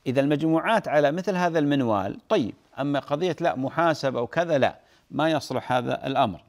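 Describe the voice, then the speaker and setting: Brief: brisk male sheikh, fast delivery, repeats rulings to drive them home. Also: fairly high pitch. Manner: explanatory, repeats key points for emphasis. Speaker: sheikh answering listeners' religious questions. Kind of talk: religious Q&A answers.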